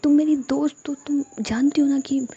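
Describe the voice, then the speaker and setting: A woman's voice: fairly even intonation, moderate pace, highs cut off, slight background noise. A woman voicing a young woman who keeps pleading with her angry friend, in an emotional, raised voice. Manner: pleading, emotional, slightly higher and louder.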